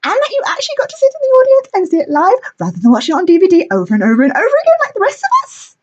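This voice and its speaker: A woman voicing an excitable young female fire pixie in a storybook reading, gushing and breathless. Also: a little high, quick pace, husky, dull audio.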